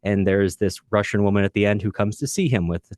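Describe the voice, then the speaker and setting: A man's voice: fairly low pitch, fairly even intonation, brisk, a little mellow, no room sound, clean studio sound. A man speaking as a podcast co-host in an unscripted literary discussion, earnest and discursive, often correcting himself as he goes.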